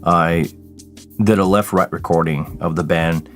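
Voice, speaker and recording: A man's voice: sits low, steady tone, unhurried, soft background music. A tired man, hosting a casual livestream Q&A and chatting with viewers by name. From Quebec, Canada. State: tired, voice deeper than usual this morning. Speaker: live sound engineer hosting a livestream.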